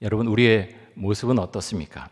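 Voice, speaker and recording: A middle-aged male pastor delivering a Sunday sermon, reading scripture slowly and putting rhetorical questions to his congregation. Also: lowish voice, slightly rough. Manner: reads scripture aloud slowly and deliberately. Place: church sanctuary. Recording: long church hall reverb.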